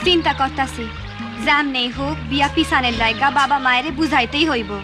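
A woman's voice: high voice, brisk, natural voice. A woman voicing a troubled teenage village girl in a cartoon, who speaks in a pleading way. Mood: anxious. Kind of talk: cartoon voice acting. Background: music.

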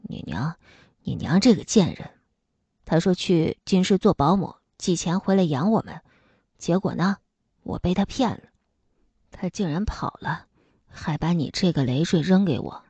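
A woman voicing a spiteful, sick old father in an audiobook, who sneers and gloats in a low, half-whispered voice. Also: expressive, unhurried, dark tone, slightly rough, no room sound, full character voice. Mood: gloating scorn. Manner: mocking and gloating. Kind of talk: audiobook character voice.

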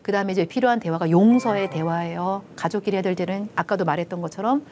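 A middle-aged woman giving a televised Christian lecture on family communication, acting out quotes in lively voices. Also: mid-range voice, fast, a little hiss or hum. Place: television studio with panel.

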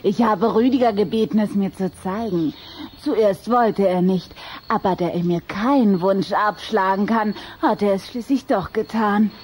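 A woman's voice: mid-range voice, measured pace, darkish tone, husky. An actress playing a self-assured, coquettish, aristocratic young vampire girl in a radio play. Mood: self-satisfied.

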